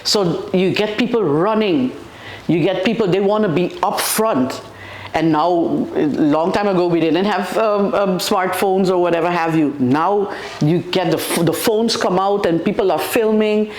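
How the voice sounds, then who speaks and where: A woman's voice: on the low side, a little slow, darkish tone. A woman with an Aruban accent, a carnival band leader talking casually in an interview. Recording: roomy, echoing interview sound.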